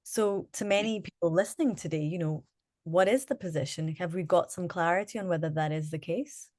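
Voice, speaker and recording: A woman moderating a community briefing, introducing a lawyer and asking him questions in a measured way. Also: fairly low pitch, a little mellow, no echo, clean studio sound.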